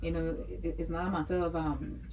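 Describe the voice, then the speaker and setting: Lady radio host asking questions, warm lowish voice, faint hiss behind. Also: little pitch movement, a little fast, low-quality recording. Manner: encouraging, many short acknowledgements. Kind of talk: radio interview.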